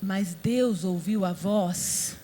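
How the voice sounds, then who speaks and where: A woman's voice: medium pitch, very slow, dark tone. A woman pastor from Brazil preaching a sermon, emphatic and asking the audience rhetorical questions. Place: large convention hall. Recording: hall reverb with mains hum.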